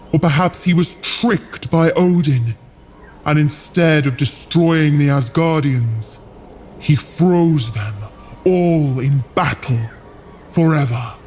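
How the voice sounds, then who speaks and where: A solemn frost giant in a fantasy audio drama. The voice is unhurried and mellow, with the grave, weary idealism of a shaman's son telling an old story. Faint music sits behind it. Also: on the high side. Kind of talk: scripted audio drama acting.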